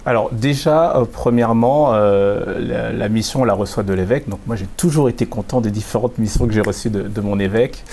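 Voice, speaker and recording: Low-voiced man telling his story, halting. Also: mellow. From France. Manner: halting, repeats words, many fillers. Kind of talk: personal testimony in an interview.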